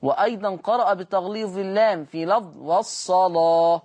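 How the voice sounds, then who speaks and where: A man teaching Quran recitation on a broadcast lesson, patiently repeating words slowly to demonstrate their sounds. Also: sits high, fairly even intonation, darkish tone. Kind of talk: televised Quran lesson, explaining Warsh reading.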